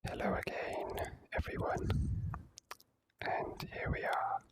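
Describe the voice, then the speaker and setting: A person whispering softly in an ASMR style while commentating on a video game, speaking in halting phrases with pauses. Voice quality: soft unvoiced whisper. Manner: slow, halting delivery with pauses. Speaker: let's play host.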